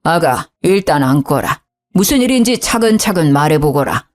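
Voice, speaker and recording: A woman voicing an elderly father-in-law who scolds loudly and pleads softly, in a storybook reading. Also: very animated, normal speed, soft background music. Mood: gentle pleading. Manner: booming scolding, then low humble pleading.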